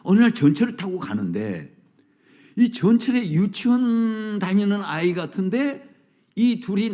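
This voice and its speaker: At an early morning prayer service, a high-pitched male pastor delivers a dramatic sermon, his voice sinking to whispers and then rising to loud lines.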